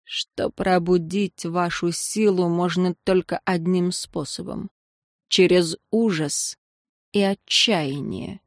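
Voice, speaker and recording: A calm, ruthless priestess mentor, as a woman reads her in an audiobook, slow and unhurried. Her voice is quiet and coldly matter-of-fact. It sounds close and dry. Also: on the low side, no room sound. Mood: hushed.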